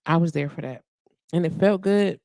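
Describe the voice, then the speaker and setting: A woman's voice: fairly low pitch, moderate pace, dark tone, no echo. A woman in her forties hosting a live radio show, talking casually and rambling with asides and laughs into a studio microphone. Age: 40s.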